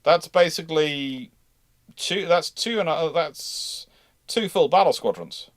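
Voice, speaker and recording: A man's voice: a little high, expressive, takes it slowly, no room sound, clean studio sound. A man hosting a live history question-and-answer discussion, rambling and often restating himself mid-sentence. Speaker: host of a live naval history Q&A.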